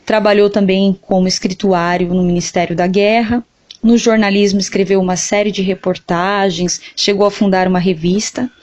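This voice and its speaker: Slightly muffled, lo-fi audio carries a Brazilian woman's voice at a middling pitch. She explains like a teacher, in a prepared lecture style. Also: little pitch movement, normal speed, a little mellow. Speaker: literature teacher, interview guest. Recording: dull, lo-fi band-limited sound.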